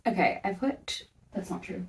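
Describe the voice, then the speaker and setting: A young woman talks through her room makeover in a relaxed, rambling vlog voice, often stopping to correct herself. Her voice is lowish and gravelly with fry. She is picked up by a camera set back across a bedroom. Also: moderate pace, recorded from a distance, over music. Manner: rambling, self-correcting, talks while tidying. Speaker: vlogger. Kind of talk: casual chatty vlog narration.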